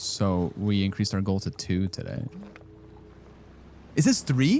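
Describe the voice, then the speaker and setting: With music in the background, a man speaks at a fairly slow pace, his pitch swinging very widely. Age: 30s. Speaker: video game streamer. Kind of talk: casual live-stream chat while gaming. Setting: live stream, talking to chat. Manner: animated.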